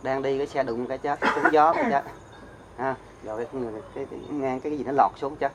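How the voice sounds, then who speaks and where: A man's voice: mid-range voice, steady tone, fast, heavy background noise. A man, a Buddhist monk, giving a dharma talk, questioning his listeners and explaining terms one by one. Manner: asks the audience questions and answers himself; explains terms step by step, recites verse.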